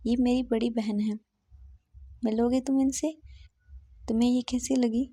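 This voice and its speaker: A gentle young man speaks softly, apologetic and pleading, as a woman reads him out. The voice sits a little high and sounds mellow, with nothing much changed from a plain storytelling tone. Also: flat delivery, measured pace, slightly rough.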